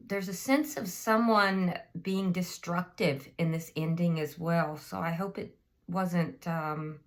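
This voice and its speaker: A woman with a slightly hoarse voice from a cold, giving a casual tarot reading and thinking aloud with frequent ums. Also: on the low side. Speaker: tarot reader.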